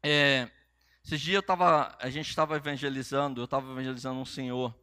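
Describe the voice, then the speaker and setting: A middle-aged Brazilian man preaching, telling a personal story with lively quoted dialogue. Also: medium pitch, a little fast, clear, resonant tone, dry recording. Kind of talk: sermon testimony.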